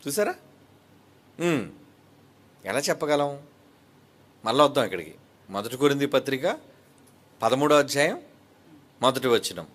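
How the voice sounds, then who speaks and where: A man's voice: medium pitch, expressive, measured pace, pauses often, fairly bright tone. A man preaching a Bible teaching sermon. He often asks his listeners questions and repeats phrases for emphasis.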